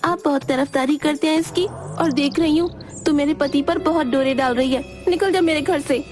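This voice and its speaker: A dramatic young cartoon bride who is always hungry, voiced by a woman, pleading and whining in a very high voice. Loud music plays under every line. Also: normal speed, natural voice. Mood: whiny.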